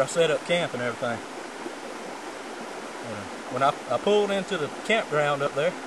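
The speech moves at a fairly quick pace with ordinary pitch variation. Noticeable background noise sits under a dry sound with no echo. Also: man. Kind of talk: casual hunting story vlog. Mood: excited, amazed. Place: forest.

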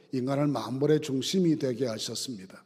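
This man's voice has a dark, mellow tone. He speaks at a moderate pace, and the room echo is audible. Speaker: pastor. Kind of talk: sermon.

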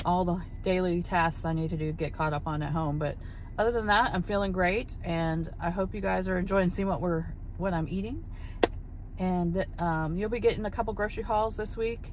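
A woman talks at a moderate pace with ordinary pitch variation. The sound is dry with no echo, though there is noticeable background noise. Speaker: vlogger. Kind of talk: casual vlog chat. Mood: upbeat, chatty. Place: car.

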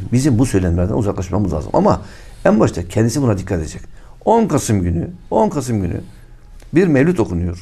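A man talks fairly quickly with lively intonation and a fairly low, somewhat breathy voice. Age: 60s. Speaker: lawyer and local party leader. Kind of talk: interview.

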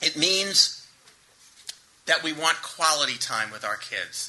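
Someone talks at a very slow pace with a New York accent. Noticeable background noise sits behind the voice. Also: man. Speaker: professor giving a lecture. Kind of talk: public lecture. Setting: stage.

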